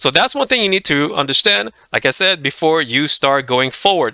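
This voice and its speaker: In a bright, sharp tone, a man with a fairly high pitch sounds animated and uses lively intonation, with a dry, close sound and no echo. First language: not English. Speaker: gaming YouTuber. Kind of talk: casual tutorial talk. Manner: fast; animated, halting with restarts.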